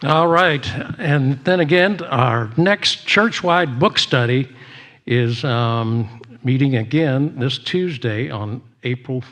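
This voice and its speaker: Man, church service leader. Medium pitch, unhurried, measured delivery with plenty of pauses. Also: lively intonation, a bit bright. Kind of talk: church announcements and devotional reading.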